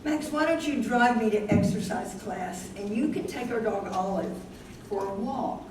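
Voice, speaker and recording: A woman's voice: medium pitch, moderate pace, lightly acted. A woman playing an aging, wistful wife who is losing her memory, in a staged reading. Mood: resigned, plain. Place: live staged reading in an echoey room. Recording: roomy, distant stage recording with noise.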